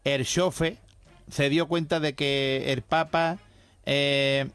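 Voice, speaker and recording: A man's voice: medium pitch, fairly even intonation, slow pace, fairly bright tone, clear, resonant tone, dry recording. A man telling a long joke, rambling with many fillers and restarts. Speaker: joke teller.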